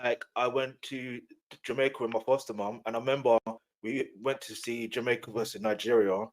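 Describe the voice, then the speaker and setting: A man interviews in a relaxed, chatty style as host. His voice is of average pitch. He phrases questions informally, often restarting and rewording them. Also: fairly quick, poor audio. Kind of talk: casual chat interview.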